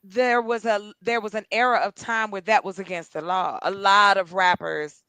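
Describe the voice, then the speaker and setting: A woman hosting a casual chat, making her case in an animated, persuasive way. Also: medium pitch, normal speed, smooth, no echo. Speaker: host.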